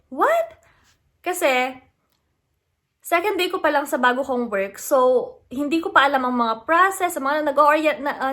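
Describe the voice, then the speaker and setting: Woman, young adult, from the philippines, casual vlog storytelling, animated, slightly high voice. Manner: animated, indignant retelling with quick asides. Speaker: vlogger.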